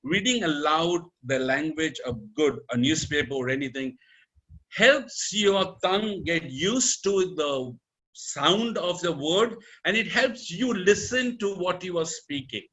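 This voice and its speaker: An Indian man in his fifties coaches an audience on public speaking with a bright, forceful voice pitched a little high. He talks emphatically and swings his pitch up and down. He drops Hindi words into his English. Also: expressive, measured pace, rough recording. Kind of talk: motivational talk.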